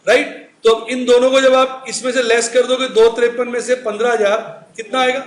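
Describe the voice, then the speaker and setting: In an echoey classroom with faint noise, a middle-aged man teaches accounts in a very high voice, brisk and level in tone, keeping it chatty by asking the class questions and answering them himself.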